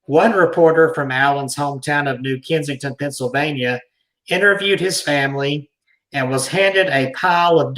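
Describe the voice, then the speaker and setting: A man hosting a talk, reading an article aloud deliberately, with emphatic pauses and asides like a storyteller. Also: fairly high pitch, a bit bright, low-quality recording.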